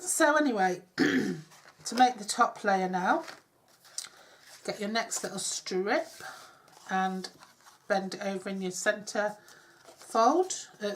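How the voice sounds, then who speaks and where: A woman's voice: medium pitch, slight background noise. Chatty woman with a cold. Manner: rambling, self-deprecating, drops to soft asides. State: congested with a cold. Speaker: craft tutorial host. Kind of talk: chatty step-by-step craft demonstration. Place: home craft table. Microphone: overhead camera on hands, speaker off-screen.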